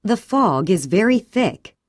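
A woman's voice: mid-range voice, dry recording, studio quality. Woman reading English drill sentences. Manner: clear, even, deliberate reading. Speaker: English audio reader.

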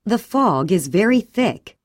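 A woman reading short English sentences slowly and clearly for a listening and repetition drill. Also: mid-range voice, dry recording, clean studio sound. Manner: clear, even, deliberate reading. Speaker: English audio reader.

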